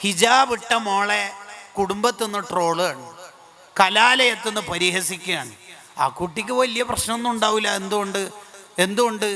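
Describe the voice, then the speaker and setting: A man preaching an Islamic sermon with a Kerala accent, swinging between soft low asides and high pleading cries. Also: moderate pace, soft background music. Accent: Malayali, Kerala. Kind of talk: Islamic sermon with dramatic recitation.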